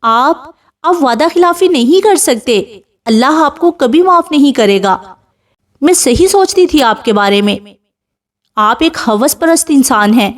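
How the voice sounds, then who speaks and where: A woman's voice: high voice, lively intonation, distant mic. A woman reading a novel aloud, voicing a timid, frightened young woman who pleads and protests. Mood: frightened, pleading. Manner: pleading, fearful.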